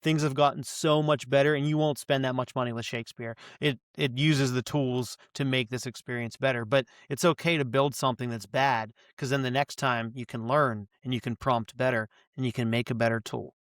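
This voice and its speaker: A man speaking as a podcast guest, enthusiastically giving advice and quickly agreeing with the others. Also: mid-range voice, steady tone, no room sound, studio quality. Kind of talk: casual podcast chat.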